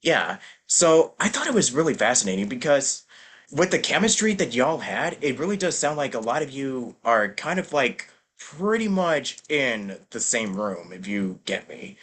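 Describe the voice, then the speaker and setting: Male podcast host, husky voice, eager and affirming. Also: medium pitch, very animated, moderate pace, fairly bright tone. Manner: enthusiastic, affirming with frequent "yeah". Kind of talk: casual interview chat.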